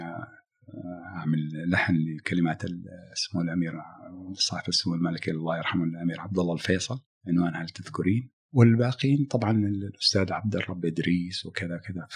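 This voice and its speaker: A middle-aged man with a husky, somewhat low voice. He talks quickly in a casual interview, reflective, breaking off and restarting his phrases as he thinks. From Saudi Arabia. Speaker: musician guest.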